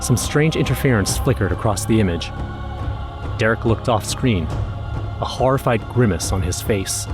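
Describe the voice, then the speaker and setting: Male narrator for horror audio drama, an actor in role: lowish voice, grim eyewitness account, dramatic, over music. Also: expressive, normal speed, close to an everyday voice. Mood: tense. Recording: music under the voice.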